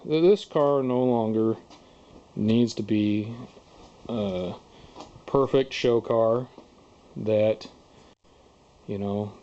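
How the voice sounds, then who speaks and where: A man's voice: on the low side, warm tone. A man giving himself a candid, folksy pep talk in casual, rambling vlog style about getting work done. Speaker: car restorer making a vlog. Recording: dull lo-fi camera audio.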